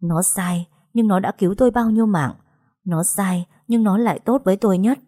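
A woman telling a first-person story in a measured, dramatic reading. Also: mid-range voice, warm tone.

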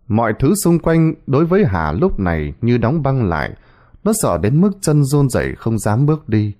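A man's voice: mid-range voice, darkish tone. A man narrating a scripted horror story with a dramatic delivery.

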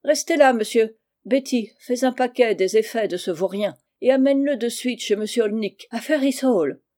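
A woman voicing a miserly, spiteful older woman who talks in a shrill, hasty and grasping way. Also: animated, moderate pace, mellow. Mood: sharp, impatient.

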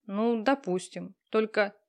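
A woman voicing a hurt, tearful young woman who answers slowly and stubbornly. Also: medium pitch. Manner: slow, subdued, stubborn replies. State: tearful, sniffling.

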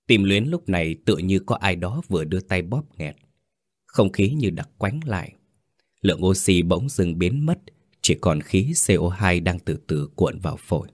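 A man reading a story in a steady, grave way. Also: low-pitched, breathy edge, dry recording, clean studio sound. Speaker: narrator. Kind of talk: scripted story narration.

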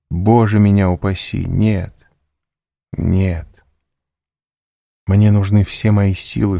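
A man's voice: warm tone, dry recording, clean studio sound. A man voicing a distraught young noblewoman. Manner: raised pitch, tearful urgency. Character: anguished young noblewoman, pleading.

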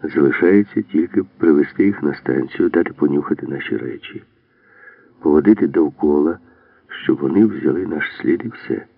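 A man's voice: rumbling low, normal speed, creaky, dry recording. A man reading an audiobook, voicing a nervous, wisecracking male commando who grumbles about dogs. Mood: wry worried. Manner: grumbling, joking complaints. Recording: dry, phone-like narrow band.

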